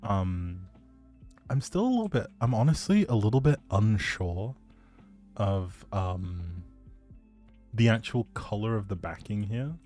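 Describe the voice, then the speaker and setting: Male game streamer, lowish voice, casual and playfully rambling delivery, music underneath. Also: mellow. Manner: playful, self-deprecating, rambling. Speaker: streamer, host. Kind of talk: casual livestream chat, showing a game build.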